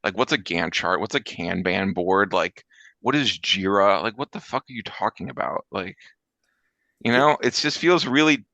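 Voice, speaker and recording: Ranting low-voiced man, bright edge. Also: expressive, moderate pace, no room sound. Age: 40s. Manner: ranting, swears freely, lots of "like". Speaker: podcast co-host. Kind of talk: casual podcast rant. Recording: dull, dry lo-fi sound.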